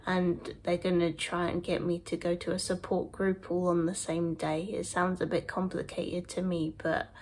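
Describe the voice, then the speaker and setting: A man's voice: high voice, monotone, a little hiss or hum. A trans man in his twenties from the UK, speaking hesitantly in a personal vlog, a little nasal and congested from a cold. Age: 20s. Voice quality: slightly nasal, snotty. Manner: hesitant, soft-spoken, with restarts and pauses. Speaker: vlogger.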